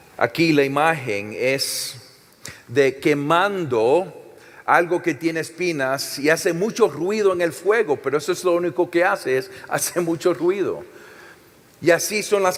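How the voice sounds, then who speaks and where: A man with a non-native accent speaks at a fairly slow pace in a high voice, with ordinary pitch variation. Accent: non-native Spanish, improving fluency. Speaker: preacher. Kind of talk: sermon.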